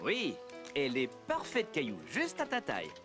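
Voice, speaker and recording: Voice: medium pitch, huge pitch swings, normal speed, over loud music. An actor voicing a cheerful, encouraging father in a French-dubbed children's cartoon, upbeat and reassuring.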